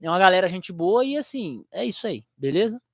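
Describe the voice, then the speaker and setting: A man's voice: high voice, very animated, brisk, dry recording. Slangy, rambling man on a dry mic. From Brazil. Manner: rambling and slangy, laughs easily. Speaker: theology teacher running a livestream. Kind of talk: casual livestream chat.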